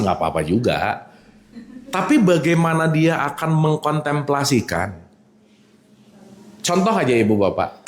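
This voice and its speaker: Lively guy giving a casual religious talk, voice sits a bit high, keeps asking the crowd if they got it, echoey room. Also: a little hiss or hum. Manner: animated, teasing, checks in with the audience. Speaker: religious teacher.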